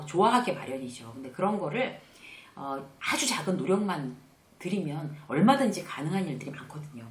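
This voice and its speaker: A middle-aged woman hosting a casual spoken lesson on workplace manners, acting out sample greetings as she goes. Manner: lively, acts out sample greetings in a bright higher voice. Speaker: workplace lecturer and channel host. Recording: roomy echoey room.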